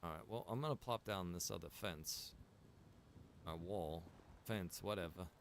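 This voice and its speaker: A man's voice: low voice, measured pace, gravelly, a little hiss or hum. A man streaming a game, chatting casually with viewers and thinking aloud in a rambling way. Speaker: game streamer and server operator. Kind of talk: casual livestream chat while gaming.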